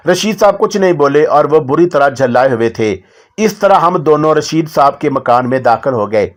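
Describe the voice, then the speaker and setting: A man narrating a first-person novel in a measured storytelling voice. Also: a little high, animated.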